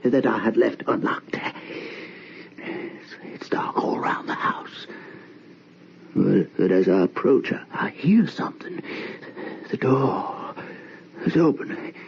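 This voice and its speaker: A haunted husband confesses his crime in an old horror drama. His delivery is slow and halting, circling back over words, with a creaky edge to the voice. The old recording is dull, with light noise behind him. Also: medium pitch, full character voice. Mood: uneasy recollection. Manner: halting, repeating words, tormented. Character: haunted, guilt-ridden husband confessing his wife's murder. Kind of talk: old-time radio horror drama acting, dramatic monologue.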